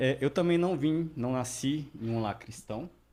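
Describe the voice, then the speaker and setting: The recording is very clean, its background silent. A man speaks there with lively intonation. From Brazil, Pernambuco; grew up in Brasília from about age 7. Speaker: church member sharing faith story. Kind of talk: testimony. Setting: studio. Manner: halting.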